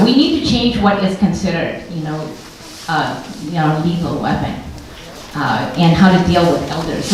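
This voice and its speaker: A woman speaks earnestly and steadily at a mid-range pitch, leaning on fillers as she gathers her thoughts. Her voice rings through a very echoey room over a faint background hiss. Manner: earnest, measured, with many fillers. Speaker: community speaker at a press event. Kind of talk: public speech.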